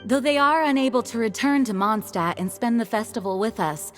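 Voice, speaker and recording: A woman playing the calm, authoritative acting leader of a knightly order, speaking formally, in a game. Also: fairly high pitch, fairly quick, natural voice. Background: game music.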